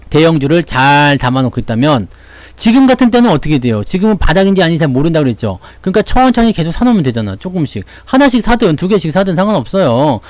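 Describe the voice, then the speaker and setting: Lively, blunt man talking stocks. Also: fairly high pitch, no room sound. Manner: blunt and slangy, acts out little imagined lines. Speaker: stock market commentator. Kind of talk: casual market talk to viewers.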